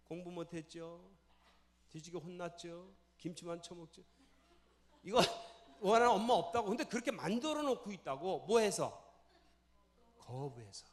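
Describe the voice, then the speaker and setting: Male pastor, sermon, high voice, animated, questions the congregation, church. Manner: animated, quizzes the congregation and acts out scenes.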